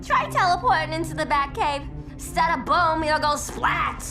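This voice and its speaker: A woman's voice: sits high, expressive, moderate pace, over music. An actress playing a giddy, unhinged young female jester villain in a video game, with a singsong, squealing delivery. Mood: playful.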